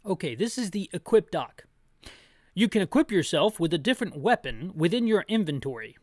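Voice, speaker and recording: A man hosting a descriptive video game playthrough, chatty and tangential, rephrasing himself with playful deadpan humor. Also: high-pitched, brisk, dry recording, clean studio sound. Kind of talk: descriptive video game commentary with rambling opinions.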